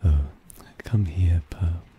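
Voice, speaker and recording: A man's voice: deep voice, takes it slowly, highs cut off. A man voicing a suave, possessive vampire who teases and dotes on his pet in an ASMR roleplay, purring with condescending affection. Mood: doting, amused. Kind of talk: ASMR roleplay addressed to the listener. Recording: rain ambience noise behind voice. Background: rain.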